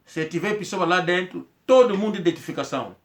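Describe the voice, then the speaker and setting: A man's voice: sits high, animated, brisk. A man tells a personal story in a casual monologue, rambling and repeating himself as he acts out quoted dialogue. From Angola. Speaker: commentator telling a personal story.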